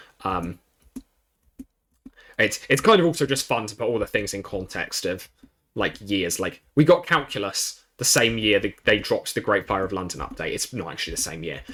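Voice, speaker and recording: A man's fairly low voice in a southern English accent, bright and sharp in tone, at a moderate pace with very wide pitch swings. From southern England. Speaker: gaming YouTuber. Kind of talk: casual commentary while gaming. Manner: rambling, hesitant with many fillers.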